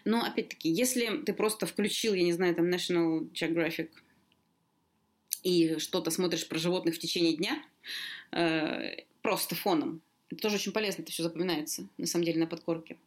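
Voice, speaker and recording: Woman teacher explaining with a lively voice. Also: a little fast. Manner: lively explaining, sudden pitch lifts, light laughs. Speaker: language teacher, guest. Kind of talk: casual conversation, explaining.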